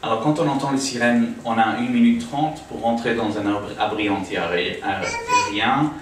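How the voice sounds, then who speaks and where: Hesitant man, low voice, echoey room. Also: measured pace. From United States. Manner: hesitant, many fillers and restarts. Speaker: guest speaker at a church. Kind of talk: informal talk to a small congregation. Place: living room used for a home church. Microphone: distant camera, speaking through a small PA. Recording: echoey room from a distant camera, audible noise.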